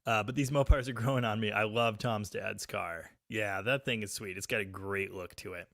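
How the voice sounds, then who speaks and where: A man hosting a live stream, chatting casually and reading viewer comments, with a very loud voice recorded on a phone. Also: lowish voice, steady tone, normal speed, creaky, dry recording, studio quality. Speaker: livestream host reading chat. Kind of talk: casual live chat about cars. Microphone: phone microphone.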